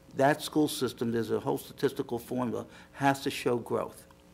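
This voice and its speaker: A New York accent with ordinary pitch variation. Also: man. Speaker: school superintendent. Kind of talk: formal report at public meeting. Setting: school board meeting.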